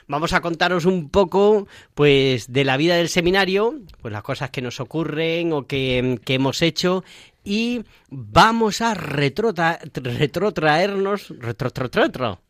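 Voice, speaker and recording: A man's voice: on the high side, expressive, a little slow, a bit bright, dry recording, clean studio sound. A man hosting a casual radio chat, playful and joking about his own stumbles. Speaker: radio show host, seminarian.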